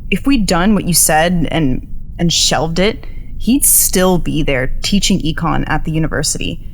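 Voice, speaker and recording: A woman's voice: sits low, measured pace, creaky, a little hiss or hum, poor audio. An actress playing a stubborn, bitter young woman journalist in a naturalistic audio drama, blunt and sarcastic as she argues. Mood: defiant.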